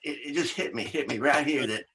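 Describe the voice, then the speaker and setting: A man's voice: on the high side, fairly quick. An older man, an author, telling a rambling story as an interview guest, often quoting others and laughing. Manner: rambling, animated storyteller with laughs and quoted voices.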